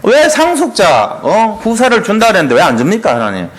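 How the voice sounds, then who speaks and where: A preacher doing a pushy old patriarch. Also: male voice, high voice, wildly swooping pitch, brisk, a bit bright, voice pushed up, full character voice. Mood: demanding. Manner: pushy, complaining, insistent. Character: aged patriarch man demanding his promised heir.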